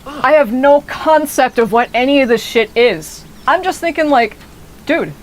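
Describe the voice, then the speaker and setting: A woman's voice: high-pitched, expressive, a little slow, slight background noise. Rambling swearing young woman streamer. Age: 20s. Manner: rambling, digressive, swears freely. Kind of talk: casual gameplay commentary.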